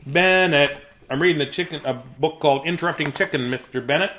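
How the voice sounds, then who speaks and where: A man's voice: a little high, a little fast, bright, forceful tone, a little hiss or hum. A man chatting casually and playfully while reading bedtime storybooks to children on a livestream.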